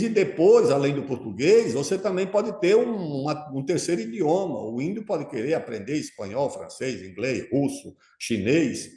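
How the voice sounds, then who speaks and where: A man's voice: on the high side, mellow. A man answering as an interview guest, explaining his views at length and emphatically, often checking in with his listener. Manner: emphatic, keeps checking in with "tá certo?". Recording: roomy echo.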